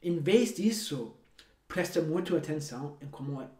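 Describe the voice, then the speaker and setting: A native English-speaking man gives a direct-to-camera language lesson, addressing the viewer in an emphatic, repetitive, coaxing manner. His voice is slightly high, animated and a little slow, with a darkish tone, and the recording has a roomy echo.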